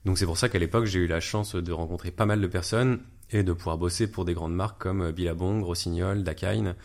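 Thirties man, deep voice; laid-back, hesitant interview guest. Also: a little fast. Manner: relaxed, hesitant with many fillers. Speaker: guest, wedding videographer. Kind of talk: casual interview chat.

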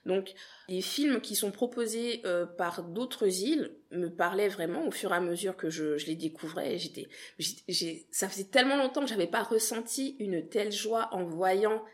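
A woman's voice: medium pitch, moderate pace. A young woman from Guadeloupe, a podcast creator answering interview questions in an earnest, thoughtful way with frequent hesitant restarts.

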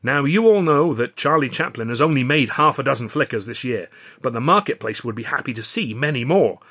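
A man's voice: medium pitch, expressive, a little fast, sharp tone, breathy edge, heavily acted. A man voicing a showy male film studio boss making a grand announcement in an audiobook. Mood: grand announcing. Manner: announcing, salesman-like build-up. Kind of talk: audiobook character voice.

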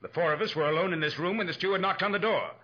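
Curt, indignant clubman in a radio play. Rapid, slightly high, forceful, dull vintage sound. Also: expressive. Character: indignant, curt gentleman club member. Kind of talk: 1940s radio drama acting. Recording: dull old 1940s radio recording.

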